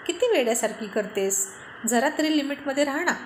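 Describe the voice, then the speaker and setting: Brief: woman narrator playing a cheeky joking husband, her own fairly high voice, faint hiss. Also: animated, fairly quick. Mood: teasing. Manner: teasing, joking. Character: joking, good-natured husband.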